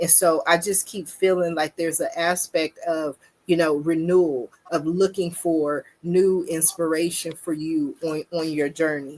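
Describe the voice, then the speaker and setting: A woman's fairly low voice at a fairly slow pace, with fairly even intonation. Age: 40s. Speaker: tarot reader and show host. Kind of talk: live tarot reading interview.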